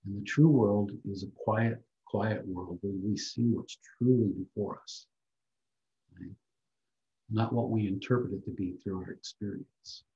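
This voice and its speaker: An older man giving a reflective talk on a video call, speaking softly and gently. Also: on the low side, fairly even intonation, gravelly, dull audio. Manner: soft-spoken, slow and gentle. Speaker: guest speaker.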